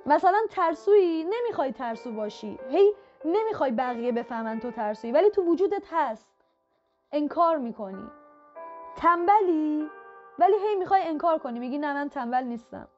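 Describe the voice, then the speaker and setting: A woman's voice: sits high, big pitch swings. A woman speaking directly to the listener as a self-help speaker, coaching in a repetitive, encouraging way. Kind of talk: motivational talk to the viewer. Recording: muffled lo-fi audio with faint background music.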